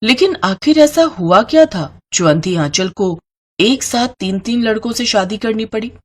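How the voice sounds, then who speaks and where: A woman's voice: fairly high pitch, animated, a little slow. A woman giving scripted narration for a cartoon story.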